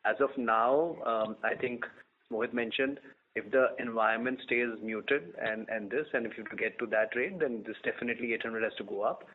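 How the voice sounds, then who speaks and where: A man's voice: medium pitch, moderate pace. A man speaking as a finance executive on an earnings call, often checking in with "right?" as he explains. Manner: frequent "right?" tags. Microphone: conference call line. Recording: tinny conference phone line.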